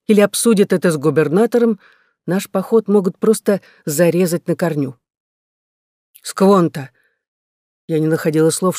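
A man's voice: fairly high pitch, dark tone, dry recording. Man reading an audiobook, dry sound. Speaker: audiobook reader. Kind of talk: audiobook narration.

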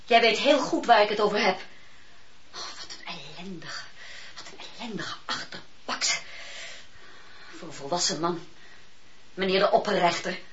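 An actress playing a fierce, principled judge's wife who turns from scorn to care in a radio play. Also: female voice, medium pitch, moderate pace, pauses often, lightly acted. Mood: scornful. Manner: sharp, scornful, lively. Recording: dull lo-fi radio recording with hiss.

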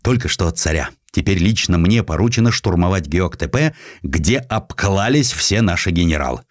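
A man's voice: deep voice, expressive, normal speed, no room sound, studio quality. A man playing a blunt, passionate and headstrong Russian general in a dramatized audiobook. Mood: determined. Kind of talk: audiobook character acting.

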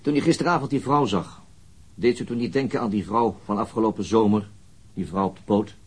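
An actor playing a persistent, controlled police interrogator in a radio crime drama, formal and probing, with a husky voice. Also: male voice, on the low side, fairly quick.

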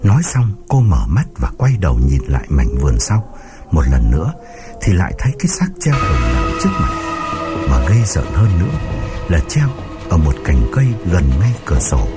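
A man's voice: low voice, huge pitch swings, moderate pace. A man narrating a ghost story in a suspenseful, dramatic audiobook style, over background music.

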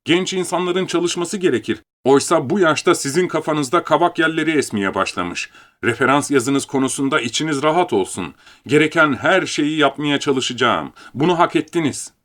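A man's voice: on the high side, lively intonation, moderate pace, few pauses, fairly bright tone. A man voicing a smug, sly old official. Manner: falsely kind, patronizing. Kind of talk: audiobook reading.

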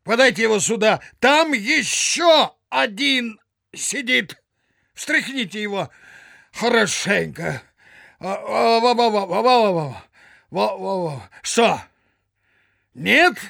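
A blustering peasant father in a radio play, high-pitched and creaky. He grumbles indignantly and draws his words out slowly, with theatrical exclamations. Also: animated, sharp tone, dry recording, clean studio sound, exaggerated voice. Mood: grumbling, angry. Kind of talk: Russian audio drama acting.

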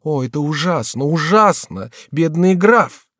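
A man voicing a lively young noblewoman who worries for her husband, with high excitable exclamations, in a dry audiobook reading. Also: moderate pace, no echo, close to an everyday voice. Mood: anxious.

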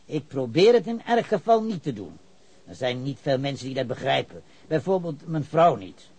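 A man's voice: medium pitch, big pitch swings, moderate pace, darkish tone, breathy edge. An actor playing an evasive, argumentative, pedantic male witness with leftist ideals in a radio drama. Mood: earnest, argumentative.

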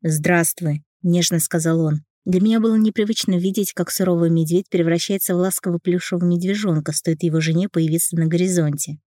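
Brief: woman audiobook reader, lower voice, even storytelling narration, dry close mic. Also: fast talker, hardly any pauses, no room sound. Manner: even storytelling, voicing a first-person male narrator. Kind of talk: scripted narration of a novel.

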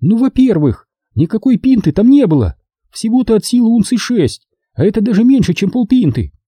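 A man's voice: sits high, sing-song, a little fast, mellow, slightly rough, no room sound, studio quality, voice pushed up, heavily acted. A man reading an audiobook, voicing a tipsy young woman who rambles indignantly through her points. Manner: drunken rambling, counting points.

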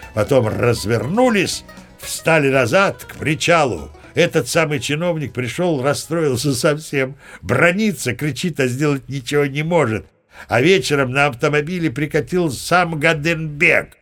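Captain Vrungel, a boastful old sea captain. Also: male voice, on the high side. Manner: lively, boastful storytelling. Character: boastful old sea captain spinning a tall tale, man. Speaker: narrator. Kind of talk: audio play narration.

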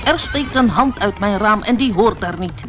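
A woman's voice: medium pitch, animated, normal speed, music in the background, lightly acted. A woman voicing an irritable, commanding male white rabbit in a children's fairy tale. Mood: indignant. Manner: angry, commanding, impatient.

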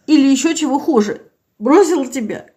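A woman's voice: sits high, lively intonation, brisk, warm tone, voice pushed up. A woman voicing a tearful older village woman who talks in a sing-song, folksy way and sobs as she speaks.

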